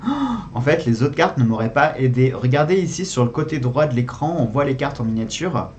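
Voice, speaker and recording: Hosting a gaming video, a man offers casual commentary on a board game while he plays, thinking out loud with hesitations and repeated words. His voice is medium-pitched with a darkish tone.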